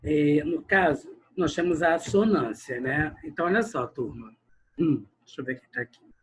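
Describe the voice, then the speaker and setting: A man's voice: fairly high pitch, moderate pace, breathy edge, rough recording. A male grammar teacher, giving an online lesson and often calling out to his class while he stretches words for emphasis. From Brazil.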